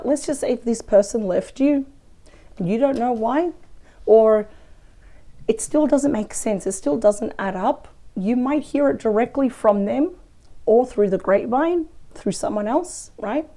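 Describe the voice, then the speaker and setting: A woman with a weak, croaky voice from a cold, chatting through a weekly tarot reading. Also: fairly high pitch, mellow. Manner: chatty, thinks aloud over the cards. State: hoarse from a cold. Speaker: tarot reader. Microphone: close microphone.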